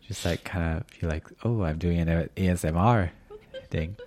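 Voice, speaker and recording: A man with a slightly raspy voice hosting a podcast as a casual, slangy, sweary chat. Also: low voice, moderate pace, darkish tone. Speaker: podcast host. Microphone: podcast microphone.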